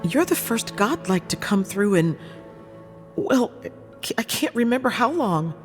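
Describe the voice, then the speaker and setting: Plainspoken market trader woman, lively intonation. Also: fairly high pitch, unhurried, soft background music. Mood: wary, resigned. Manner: conversational, plainspoken. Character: weary but hospitable female market trader in a struggling town. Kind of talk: video game character acting.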